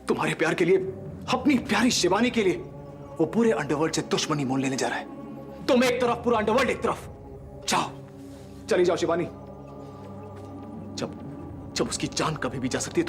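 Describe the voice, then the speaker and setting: A man's voice: on the high side, close to an everyday voice. An actor playing an earnest young man who begs a woman not to leave, in a TV serial drama. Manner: urgent, imploring. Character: pleading young man, Rishabh.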